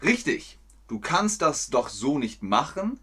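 A man teaching German in an online lesson, explaining phrases slowly and playfully, sometimes throwing in silly sound effects. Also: mid-range voice, sing-song, fairly bright tone, husky.

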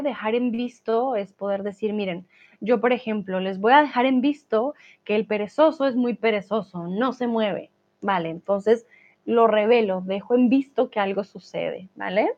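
A woman teaches a language class at an unhurried, deliberate pace, drawing out her words. Her voice sits a little higher than most, and the recording has a dull, lo-fi sound. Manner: patient explaining, drawn-out words, frequent "¿vale?" check-ins. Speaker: Spanish teacher. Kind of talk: online language lesson.

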